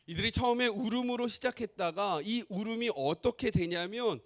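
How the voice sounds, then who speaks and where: A man's voice: high-pitched, normal speed. A male pastor preaching a sermon, who keeps the congregation involved by asking them frequent questions.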